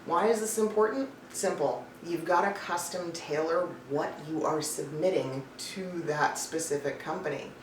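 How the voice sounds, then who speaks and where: Low-voiced woman coach, roomy distant recording. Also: normal speed, hardly any pauses. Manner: emphatic, conversational, blunt. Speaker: voice-over coach and casting professional. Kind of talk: direct-to-camera advice video, tips list. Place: indoor room with a cat nearby. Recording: roomy, distant mic, some background noise.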